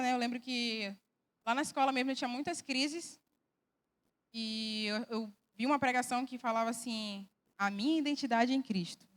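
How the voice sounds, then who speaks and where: Young woman, high voice, church testimony, earnest, emotional, conversational. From Brazil.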